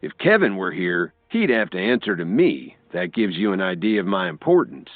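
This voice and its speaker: A man's voice: deep voice, sing-song, moderate pace, no room sound, faint music behind. A man voicing an arrogant, furious middle-aged man in an audiobook, growling and domineering. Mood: snarling. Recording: dry, tinny phone-like sound.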